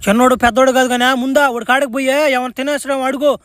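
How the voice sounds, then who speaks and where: A man's voice: very high-pitched, flat delivery, rapid-fire, a bit bright, no echo. A man voicing a cocky, crude young male superhero stranded on a strange planet in a comedy cartoon, swearing and laughing as he talks, with a rural Andhra Telugu accent. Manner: foul-mouthed, boisterous, laughs between lines.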